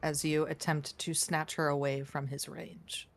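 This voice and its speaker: A woman with a lowish voice runs a tabletop game as dungeon master. She narrates and gives rulings in a calm, matter-of-fact way, with faint music playing behind her. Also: measured pace.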